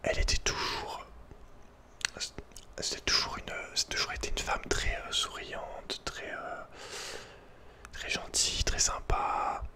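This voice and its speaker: A man's voice: slow pace, pauses often. A man telling a personal story in ASMR style, informal and hesitant, often searching for his words. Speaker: ASMR creator.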